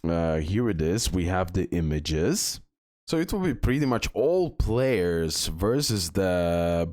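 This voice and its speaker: A man's voice: low-pitched, a little mellow, no room sound, studio quality. A man giving casual commentary on game news and talking through images on screen, with frequent filler sounds. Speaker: gaming video creator.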